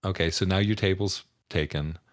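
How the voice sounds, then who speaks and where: A man running a tabletop game as game master, narrating casually in a halting, joking, improvised way. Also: low-pitched, steady tone, dry recording, clean studio sound.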